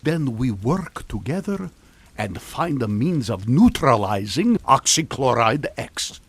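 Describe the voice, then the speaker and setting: A man playing a dry, unflappable older mad scientist in a comic radio drama, deadpan and theatrical. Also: mid-range voice, slow pace, breathy edge, dry recording, heavily acted. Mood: persuasive. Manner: deadpan, theatrical, swinging into urgency.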